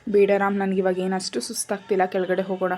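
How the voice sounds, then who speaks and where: A woman's voice: medium pitch, monotone, fast talker, mellow, lightly acted. A woman voicing a sensitive, easily hurt young wife in a storybook reading, with a pleading, sulky manner.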